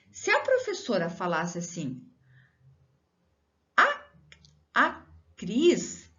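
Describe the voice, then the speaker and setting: A woman schoolteacher from Brazil giving a recorded lesson to children, talking slowly and drawing out her words, asking the pupil questions as she goes. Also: fairly low pitch, fairly bright tone, muffled recording. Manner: slow, drawn-out teacher talk with rising questions to the pupil.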